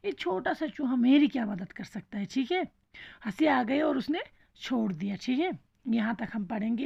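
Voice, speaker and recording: Husky gravelly woman teaching children. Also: fairly high pitch, dry recording. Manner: keeps checking in with "theek hai", asks questions and answers them herself; explains slowly and simply, repeats points. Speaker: schoolteacher. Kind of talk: online lesson for young children. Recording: dull lo-fi dry recording.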